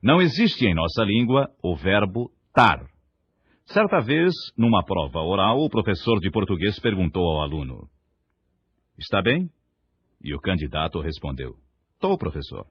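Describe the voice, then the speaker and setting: A man's voice: sits low, sing-song, moderate pace. A man from Brazil narrating a scripted diction lesson, articulating every syllable with care. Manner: careful, precise articulation. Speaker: diction teacher. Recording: dull lo-fi recording.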